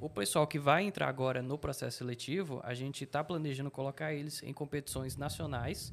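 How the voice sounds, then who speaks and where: A normal speaking voice from a man, fairly high in pitch and fairly quick, on a very clean recording with a silent background. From Bahia, Brazil (Guanambi). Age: 20s. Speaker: engineering student, rocket team captain. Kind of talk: casual chat. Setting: studio.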